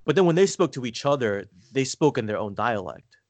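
A man's voice: mid-range voice, very animated, a little fast, no echo. An American man chatting casually as a guest, rambling and hesitant with lots of "like" fillers. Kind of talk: casual conversation.

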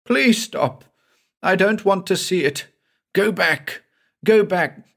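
A man's voice: high-pitched, slow pace, gravelly, fairly bright tone, voice pushed up, heavily acted. A man voicing a terrified grown man who is haunted by visions and pleads and shrieks in panic. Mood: pleading.

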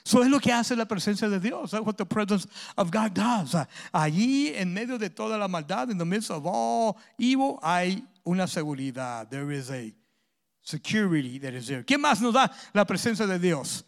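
Male pastor, very high voice, bilingual sermon delivery: each line in Spanish then English, "ah" fillers between phrases, shifts from forceful to hushed. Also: animated, gravelly. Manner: punctuates phrases with drawn-out "ah"; swings from loud emphatic lines to hushed ones.

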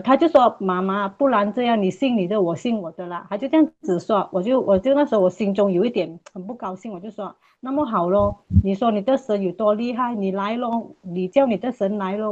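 A middle-aged woman from Malaysia telling her personal testimony as a mother, earnest and repetitive, ending phrases with soft particles. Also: medium pitch, dull audio.

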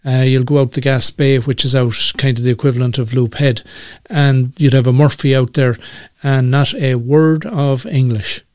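A man in his sixties with an Irish accent, talking as a radio broadcaster in a measured, thoughtful way with many pauses and fillers. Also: mid-range voice, fairly even intonation, a little mellow, no echo, studio quality. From Ireland. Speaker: guest, community radio broadcaster. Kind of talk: conversational interview.

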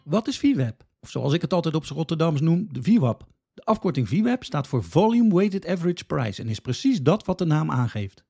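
A man's voice: on the high side, gravelly, dark tone, husky. A man from the Netherlands, hosting a podcast with scripted, instructional explanations addressed directly to the listener. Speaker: podcast host.

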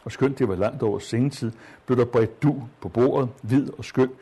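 A man calmly reading a story aloud and commenting on it, measured and with some hesitant fillers. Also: medium pitch, breathy edge.

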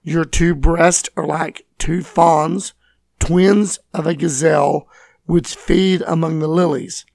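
A man with a scratchy, hoarse voice, teaching and reading scripture as host of a Bible program. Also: on the high side, steady tone, takes it slowly, darkish tone, no echo. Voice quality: scratchy, raspy. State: hoarse from voice loss, recovering.

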